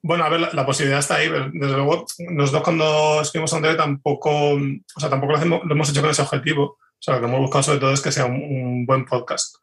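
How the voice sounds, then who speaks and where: Spanish guy from spain as podcast guest, gravelly creak, kinda hesitant, repeats words while he thinks. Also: on the high side, level tone, fast, hardly any pauses, fairly bright tone. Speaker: podcast guest, fiction writer. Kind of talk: conversational interview answers.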